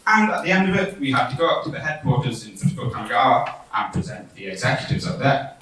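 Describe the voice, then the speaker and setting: Man presenting in an echoey hall. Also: mid-range voice. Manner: relaxed, chatty, laughs at his own demo. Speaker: bootcamp student presenter. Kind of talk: demo presentation. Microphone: distant from the mic. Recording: echoey hall audio from far off.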